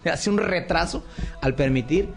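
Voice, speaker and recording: A man's voice: a little high, animated, moderate pace. A man talking earnestly on a Christian radio show, telling stories with many restarts. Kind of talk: casual Christian radio discussion.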